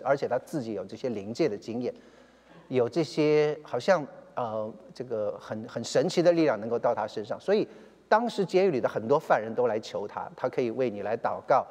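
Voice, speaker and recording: A man's voice: mid-range voice, darkish tone, long reverb tail. A man, a church elder, retelling a story in a sermon, with many fillers and English phrases slipped in.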